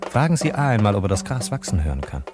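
An actor playing a wry, excitable narrator who addresses listeners in rhetorical asides in a 1950s radio play. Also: male voice, fairly low pitch, fast talker, over music. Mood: insistent, wry. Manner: rhetorical, insistent, conversational asides.

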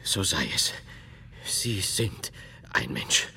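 Slow, solemn medieval monk. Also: male voice, low voice, very animated, gravelly, pushed and bright, slight background noise, full character voice. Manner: deliberate, pondering, formal. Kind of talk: radio play acting.

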